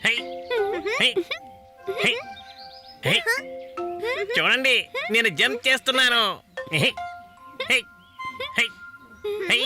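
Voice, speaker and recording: A woman's voice: a little high, wildly swooping pitch, slow, pauses often, heavily acted. A woman voicing a clumsy, earnest young child in a children's cartoon, with simple, effortful delivery. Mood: eager effort. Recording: jingly children's music behind the voice.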